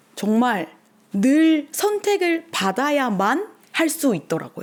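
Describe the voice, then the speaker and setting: With very wide pitch swings, a woman talks in a high pitch. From South Korea, Busan. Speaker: musical actress. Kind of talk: interview.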